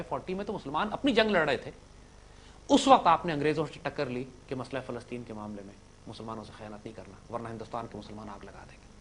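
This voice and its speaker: Fervent Pakistani-accented male lecturer. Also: slight background noise. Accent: Pakistani Urdu. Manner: fervent oratory, swinging between loud declaiming and low-voiced asides. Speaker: religious lecturer. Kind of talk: impassioned religious lecture to young students.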